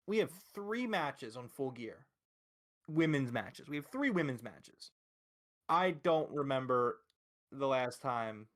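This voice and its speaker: Sounding mid-range and fairly bright, this man hosts a podcast about wrestling. His take is casual but forceful, packed with firm opinions and frequent profanity.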